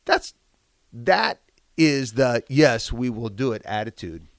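This business owner is animated but slow, his mid-range voice captured in a dry, studio-quality recording. Congested and coughing from the chest, he answers interview questions candidly, leaning on emphasis and saying the same words again and again.

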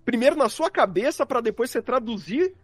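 A man's voice: extremely high pitch, lively intonation, fairly quick, dry recording. A Brazilian man explaining things in casual, rambling, slangy conversation, like a guest on a podcast. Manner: informal, rambling, uses slang.

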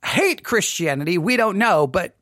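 A man's voice: high voice, expressive, normal speed, a bit bright, no echo, clean studio sound. A man hosting a solo commentary podcast, talking earnestly with repeated emphasis and frequent restarts. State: voice briefly giving out. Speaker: podcast host.

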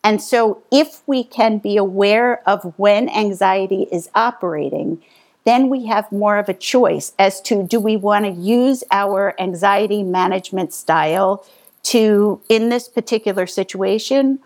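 A woman's voice: mid-range voice, unhurried, darkish tone. Woman guest, thoughtful and explanatory, medium voice. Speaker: author and psychologist guest. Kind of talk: conversational interview.

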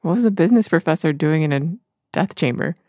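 A woman hosting a podcast, delivering scripted introductions in a clear, composed way. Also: deep voice, lively intonation, fast, warm tone, no room sound, studio quality. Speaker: podcast host. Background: music.

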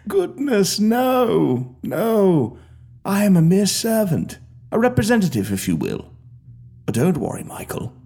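Man doing elderly afterlife official, kindly, courteous, husky voice, lively intonation, storybook audio drama. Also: sits high, measured pace, voice pushed up, heavily acted. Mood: reassuring. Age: older. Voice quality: gentle, courteous, soothing.

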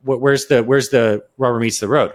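An American man hosting a conversational interview, thinking aloud in a thoughtful, halting way. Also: mid-range voice, fairly even intonation. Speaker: podcast host.

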